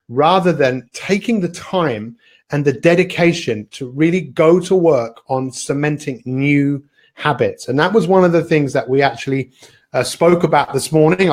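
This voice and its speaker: Upbeat male coach host with a fairly high voice, chatty, motivational, live-stream feel. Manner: upbeat, chatty, with frequent ums and uhs. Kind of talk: live online broadcast, motivational talk.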